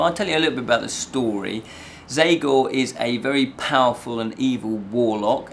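A man in his forties hosting a review show, talking to camera in an animated, emphatic, conversational way. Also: lowish voice, gravelly, a little hiss or hum. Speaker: host of a fantasy review show. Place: small indoor room with fabric backdrop.

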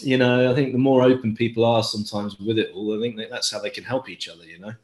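A man in his forties talking reflectively and haltingly as an interview guest, repeating phrases for emphasis. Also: on the low side, fairly even intonation, darkish tone. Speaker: interview guest, squash coach. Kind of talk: conversational interview. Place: indoor room at home, on a video call. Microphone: video call. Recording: roomy, echoey video call.

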